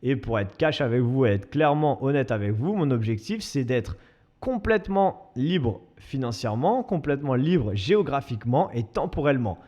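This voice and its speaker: A man's voice: mid-range voice, expressive, moderate pace, mellow, dull audio. A young man hosting his own podcast, talking casually and self-mockingly with many restarts. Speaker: podcast host and fitness coach. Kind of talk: casual solo podcast monologue.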